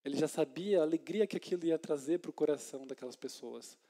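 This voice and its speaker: A male deacon preaches in a church with a warm, mellow voice that sits a bit high. He talks conversationally, tags his points with quick questions, and brings scripture to life by acting out scenes. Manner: retells scripture in lively dramatized scenes. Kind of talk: sermon.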